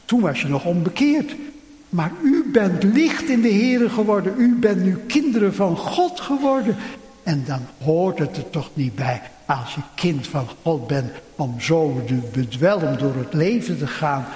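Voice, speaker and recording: A man's voice: a little high, very animated, unhurried, a little mellow. A man preaching a sermon in a large church, asking his listeners rhetorical questions, heard with a long cathedral echo.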